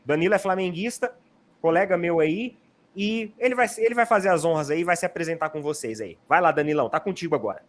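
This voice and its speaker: A chatty man hosts a relaxed football talk, explaining his views at length. His voice sits a bit high for a man. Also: quick pace. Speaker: channel host, Palmeiras fan. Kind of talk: casual football chat.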